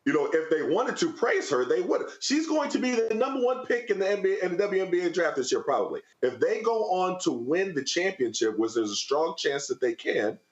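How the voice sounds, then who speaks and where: A man's voice: high-pitched, big pitch swings, a little fast, hardly any pauses, roomy sound, dull audio. A man as a panel guest on a commentary show, easygoing and agreeable, laughing along with the host. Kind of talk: conversational commentary.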